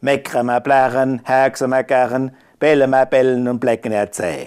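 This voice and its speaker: A man at a medium pitch and a very slow pace, against a quiet background. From Palatinate, Germany. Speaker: dialect poet. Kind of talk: dialect poetry reading. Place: home room.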